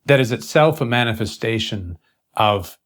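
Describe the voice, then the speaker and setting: Low-voiced man, deliberate and halting. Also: animated, a bit bright. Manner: deliberate, halting, formal wording in broken phrases. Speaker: interviewer. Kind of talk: intellectual interview conversation.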